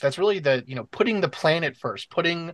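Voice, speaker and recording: With an American accent and a plain, everyday voice, this speaker talks at a fairly quick pace with lively intonation, the sound dry and close with no echo. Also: man. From New York City area. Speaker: scientist. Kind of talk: casual interview chat. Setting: video call.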